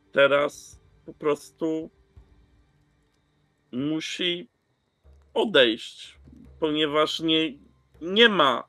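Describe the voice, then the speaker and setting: A man in his thirties speaks very slowly in a bright, slightly high voice. He is a player telling his part of a tabletop roleplaying story. The sound is dry, with music behind it. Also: dry recording. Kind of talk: slow in-game storytelling.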